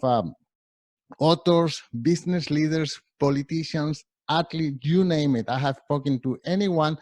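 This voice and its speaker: A middle-aged man with a Spanish accent presenting a workshop over a video call, often restarting words and filling pauses. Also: fairly high pitch, darkish tone, dry recording. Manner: halting, many restarts and fillers. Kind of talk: workshop talk.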